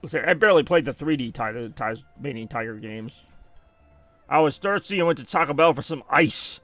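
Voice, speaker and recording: Soft music plays behind a dry recording of an animated American man with a mid-range, fairly bright voice and a fairly quick delivery. While streaming a video game, he rambles casually, corrects himself often and reacts to dying in the game.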